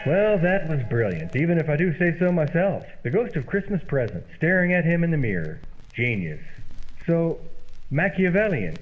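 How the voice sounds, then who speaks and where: Man acting a pompous high-pitched radio prankster. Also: big pitch swings, normal speed, faint music behind. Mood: smug. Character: smug, self-congratulating prankster posing as a wailing ghost. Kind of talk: old-time radio comedy acting. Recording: tinny radio sound with loud noise.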